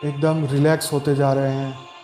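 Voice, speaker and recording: A man speaking as a meditation guide, calm and soothing, giving slow, repetitive instructions with long pauses in Hindi. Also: medium pitch. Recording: roomy echo with background music. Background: meditation music.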